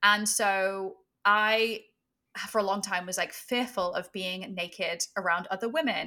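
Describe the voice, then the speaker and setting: A woman's bright, sharp, medium-pitched voice with a British accent, animated and enthusiastic at a fairly slow pace, on a very clean recording with a silent background. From England. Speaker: podcast host and sex coach. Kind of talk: casual chat, podcast interview. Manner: animated, enthusiastic.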